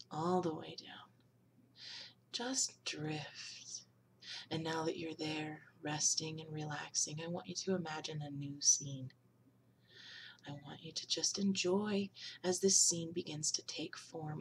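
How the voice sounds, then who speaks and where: A woman with a low voice talks a listener down into hypnosis, slow and soothing, slipping often into whispers. She sounds a little distant from the mic, with a faint hiss of room noise behind her. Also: gravelly. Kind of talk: guided hypnosis induction.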